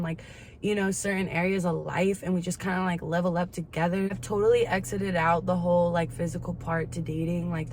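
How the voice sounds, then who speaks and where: A woman in her twenties talking candidly in a casual confessional chat, slangy and swearing freely. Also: on the low side. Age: 20s. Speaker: vlogger. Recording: clear background ambient noise.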